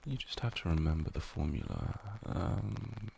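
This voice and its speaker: A man's voice: sits low, normal speed, vocal fry, a little mellow, slight background noise. A man playing a flustered, smitten young tutor in an ASMR role-play, with a nerdy, awkward, stammering delivery. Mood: patient, nerdy.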